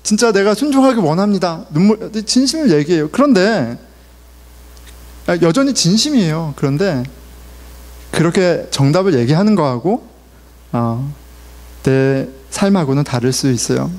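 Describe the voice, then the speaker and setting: A man's voice: a little high, lively intonation, unhurried, long pauses, darkish tone, long reverb tail. A male pastor in his forties preaching a sermon in a conversational way, asking the congregation questions and telling family stories. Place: church sanctuary.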